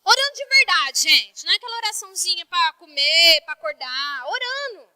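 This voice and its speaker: A woman's voice: very high voice, sing-song, a little fast, pushed and bright, dry recording. A woman pastor in her thirties from Brazil, preaching a sermon in a conversational, emotional way.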